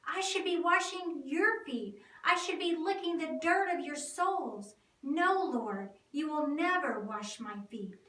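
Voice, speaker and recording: A woman's voice: sits high, expressive, a little slow, few pauses, fairly bright tone, voice pushed up. A woman playing a brash, impassioned male disciple in a church dramatic reading, exclaiming with emphatic fervor. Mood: vehement refusal. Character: Peter, adult male disciple, brash, impassioned, self-abasing. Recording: echoey room, distant mic.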